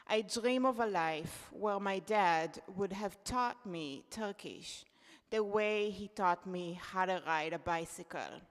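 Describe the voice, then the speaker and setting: A woman reads her own essay at an unhurried pace. Her pitch sits in the middle of the usual range, and her delivery stays measured and reflective. A long hall reverb trails behind her voice. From Israel. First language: Hebrew. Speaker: contributor reading at a poetry event. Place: event hall.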